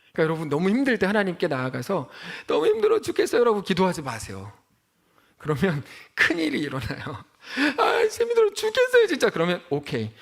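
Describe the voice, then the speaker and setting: Male pastor, high lively pitch, joking conversational sermon delivery. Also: gravelly.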